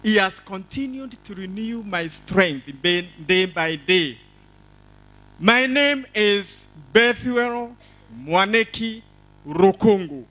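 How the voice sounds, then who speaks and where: An older Kenyan man addresses a church congregation with exuberant, declamatory delivery. His voice is high and bright, and he takes his time, repeating phrases to drive them home. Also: expressive, slow, faint music behind. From Embu County, Kenya. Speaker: church testimony speaker. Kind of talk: church testimony, preaching to a congregation. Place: large church hall stage. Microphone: handheld microphone.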